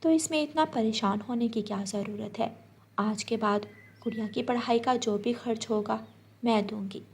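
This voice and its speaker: A woman's voice: a little high, moderate pace, vocal fry, slight background noise. A woman voicing a generous, reassuring aunt bird in a cartoon story.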